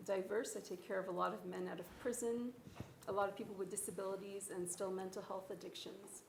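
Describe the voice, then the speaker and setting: A woman in her forties, a physician on a panel, speaking earnestly and reflectively with frequent pauses. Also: mid-range voice, vocal fry. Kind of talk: panel discussion, personal account. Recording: echoey room with faint noise.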